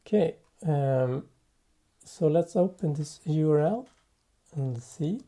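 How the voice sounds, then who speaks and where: A man presenting an unscripted software tutorial in a halting way, thinking aloud as he works. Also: on the high side, expressive. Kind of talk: unscripted software demo narration.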